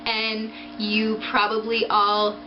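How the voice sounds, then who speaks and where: A woman vlogger talking casually and haltingly to her webcam, with drawn-out, hissing s sounds like a lisp. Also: mid-range voice, completely flat delivery. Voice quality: lisping, hissy drawn-out s sounds. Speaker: video blogger. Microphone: webcam microphone. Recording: noisy dull webcam audio, hissing sibilance.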